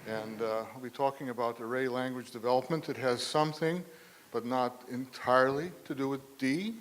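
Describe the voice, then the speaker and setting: A man's voice: medium pitch, steady tone, moderate pace. A man with a Chicago accent giving a short conference talk with dry, wry asides. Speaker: conference speaker. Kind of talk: lightning talk. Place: conference hall. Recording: hall reverb.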